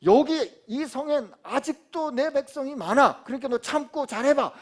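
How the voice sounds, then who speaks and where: A man's voice: extremely high pitch, animated, normal speed, voice pushed up. The Lord, blunt and reassuring, as a male preacher puts him on. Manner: blunt, fatherly, colloquial. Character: the Lord speaking to Paul, firm, reassuring.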